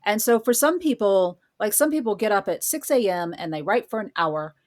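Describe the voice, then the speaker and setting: A woman's voice: medium pitch, animated, normal speed. A woman talking casually as an interview guest, explaining things informally with examples. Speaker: guest author.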